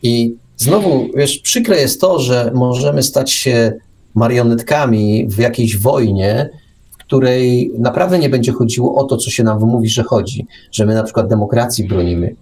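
A man's voice: mid-range voice, moderate pace, a little mellow, a little hiss or hum. A man co-hosting a talk show, giving an opinionated, sarcastic monologue with emphatic rhetorical questions and repeated words. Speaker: radio show co-host and commentator.

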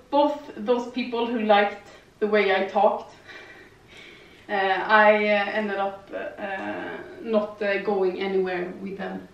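A young woman with a foreign accent chatting casually in a rambling way, full of fillers and tag questions, while doing yoga in her living room. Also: medium pitch. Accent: non-native English, lives in Sweden. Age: young adult. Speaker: vlogger. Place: living room with slanted ceiling, indoors. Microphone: far camera. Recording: roomy, distant, dull camera audio.

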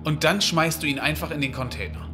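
A man's voice: a little high, a little fast, over loud music, lightly acted. An actor playing a hurt, accusing man confronting his partner in an audio drama.

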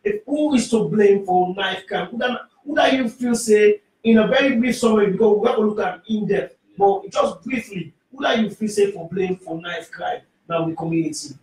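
A male radio host speaks in a high voice with a Sierra Leonean Creole accent, slipping between English and Creole. He presents a live talk show from a small studio, sounding roomy and set back from the microphone. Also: normal speed, few pauses, a little mellow, distant mic.

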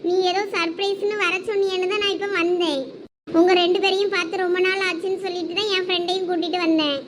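Lady doing a chatty village wife, super high pitched, bossy and teasing. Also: little pitch movement, fast, slight background noise. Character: lively young village wife and her friends. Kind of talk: dubbed village comedy drama.

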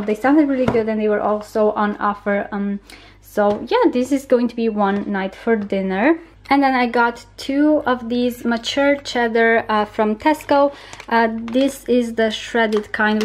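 A young woman talking casually and chattily in an informal vlog style, recorded on a handheld camera in a home kitchen. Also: a little high. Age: young adult. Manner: chatty and informal, small laughs between remarks. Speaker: vlogger.

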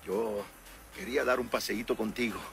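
A man's voice: on the low side, steady tone, moderate pace, vocal fry, fairly bright tone. An actor playing a Venezuelan husband who insists he is not lost, talking in a soothing, falsely confident way. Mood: reassuring. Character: lost husband too proud to ask directions. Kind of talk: TV comedy-drama acting.

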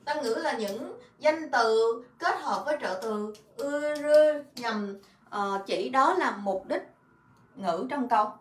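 A woman teaching a Korean grammar lesson in a casual way, explaining in Vietnamese and repeating Korean words and example sentences in quick bursts. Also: fairly high pitch, expressive, roomy sound. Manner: refers to herself by her own name and as teacher.

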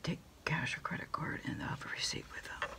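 A middle-aged woman in a quiet ASMR roleplay, speaking haltingly and hushed as she takes a takeout order over the phone. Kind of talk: ASMR roleplay, whispered one-sided phone conversation.

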